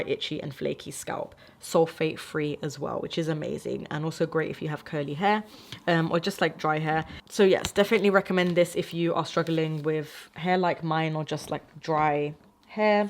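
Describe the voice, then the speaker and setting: Chatty young woman reviewing beauty products. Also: low voice. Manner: chatty, many fillers like "um" and "like". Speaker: beauty vlogger.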